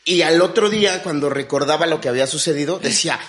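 A man's voice: a little high, fast talker, fairly bright tone. A Mexican man in a casual chat, laughing often, hesitating with fillers and playing out old conversations.

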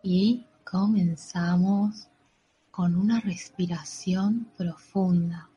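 A woman narrating a guided meditation in a soothing, unhurried way, with gentle pauses. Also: medium pitch, husky. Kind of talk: slow guided meditation with affirmations. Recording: dull lo-fi audio with soft music. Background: soft background music.

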